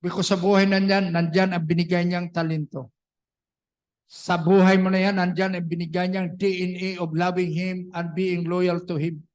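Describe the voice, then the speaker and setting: A man's voice: high voice, level tone, moderate pace. A man preaching a sermon, mixing English into his talk and acting out the dialogue he retells. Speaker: pastor. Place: church.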